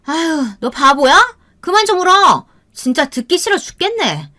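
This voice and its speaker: A woman's voice: high voice, moderate pace, a bit bright, pitched above the performer's own voice. A woman voicing a haughty, scornful younger sister-in-law who scolds sarcastically in an audio storybook. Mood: scornful scolding.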